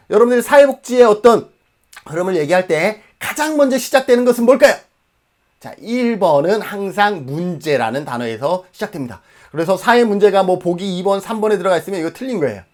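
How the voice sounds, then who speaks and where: A man in his forties from Jeju Island, South Korea, giving an exam-prep lecture emphatically, asking questions and answering them himself. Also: sits high.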